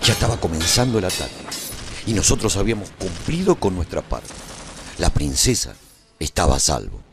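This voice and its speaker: A man playing a brave, lovestruck warrior who tells his own adventure in a radio serial, theatrical and husky, with measured dramatic pauses. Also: low voice, big pitch swings, background noise. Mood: urgent, tense. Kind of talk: dramatic scripted first-person radio serial narration.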